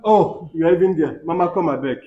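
A man with a Nigerian accent playing a weary young husband who talks softly to calm his wife. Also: a little high, fairly quick, dull audio, close to an everyday voice. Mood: pleading. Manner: placating, soft-spoken. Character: weary young husband trying to keep peace. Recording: roomy echo.

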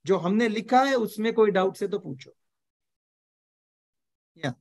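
A man's voice: high-pitched, expressive, rapid-fire, darkish tone. A man in his thirties with an Indian English accent, teaching a live online German class and often checking that students follow. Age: 30s. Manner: explains step by step, checks understanding often, mixes Hindi. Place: indoor room, video call.

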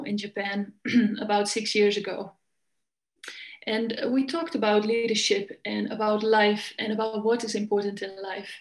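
A Dutch woman in her forties, a coach and festival speaker, gives an earnest conference talk over a video call from her laptop. Her mid-range voice sounds roomy and the audio is poor. She comes across as searching, restarting often.

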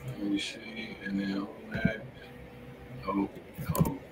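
A man's voice: lowish voice, monotone, slow pace. Distant, echoey American man on a stream. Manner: slangy, blunt. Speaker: music review show co-host. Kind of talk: casual livestream commentary. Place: indoor home studio. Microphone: distant from the speaker. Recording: echoey, distant, noisy studio room.

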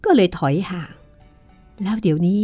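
A woman's voice: fairly low pitch, animated, normal speed, mellow, dry recording, soft background music. A woman doing a leering young villain. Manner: sneering, taunting.

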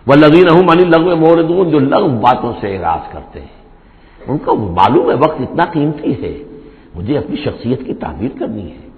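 A man's voice: medium pitch, sing-song, moderate pace. An older man giving a Quran commentary lecture, reciting Arabic verses and then explaining them in plain speech. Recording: tinny lo-fi recording in a hall with long echo.

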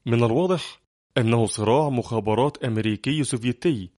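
A man narrating an audiobook novel in a measured, steady voice. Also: mid-range voice, no room sound, studio quality. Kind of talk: scripted narration.

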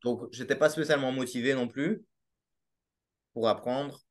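A man's voice: medium pitch, moderate pace. A young man from Belgium with a Belgian French accent, a podcast guest talking casually and hesitantly over a video call from a small home room. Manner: hesitant, with many restarts and fillers. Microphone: laptop webcam mic on a video call.

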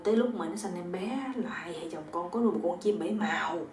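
A woman with a Southern Vietnamese accent voicing a sly young son-in-law who talks in a soft, coaxing, pleading way. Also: fairly low pitch, fast talker, recorded from a distance, natural voice. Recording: roomy echo.

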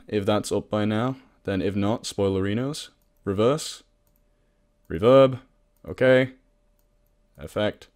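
A man presenting a casual software tutorial in an informal, self-deprecating, sweary way. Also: medium pitch.

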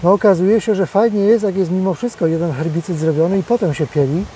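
Man, steady explainer, fairly high mellow voice, outdoors, faint noise. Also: fast, rough recording. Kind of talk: casual field interview. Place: outdoors in a farm field.

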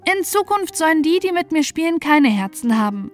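Fairy-tale audiobook: a high, haughty young princess, put on by a woman narrator, demanding and mocking, light music under her. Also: sing-song, moderate pace.

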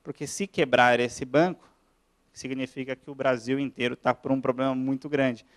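A man from Brazil, a lawyer giving a classroom lecture, talking fast and chatty and checking in with his audience. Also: mid-range voice, fairly even intonation. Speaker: lawyer lecturing on pension law.

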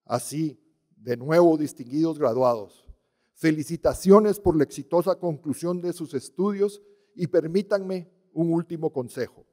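A middle-aged man, a university rector, delivering a formal ceremonial speech from a podium in a large auditorium, measured and solemn with emphatic pauses. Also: fairly high pitch, dark tone. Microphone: podium microphone. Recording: long hall reverb.

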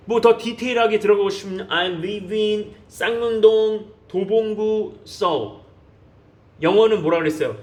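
A man from South Korea teaching a beginner English lesson, repeating example phrases slowly for learners to copy. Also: high voice.

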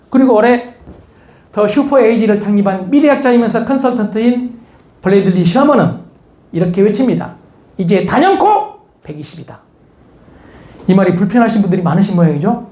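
A man giving a lively motivational lecture, teasing his audience with questions and jokes. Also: very high voice. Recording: echoey lecture hall.

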